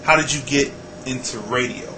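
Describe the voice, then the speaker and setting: A man with a mid-pitched voice works as a casual interviewer, asking plain questions and dropping in short acknowledgements. The recording has clear background noise with a low rumble. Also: normal speed. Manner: brief affirming interjections between questions.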